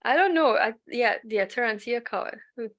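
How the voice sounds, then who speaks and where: Animated woman with a higher voice. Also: moderate pace, dry recording. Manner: animated, explains at length, laughs. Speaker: podcast co-host. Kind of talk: casual live podcast chat.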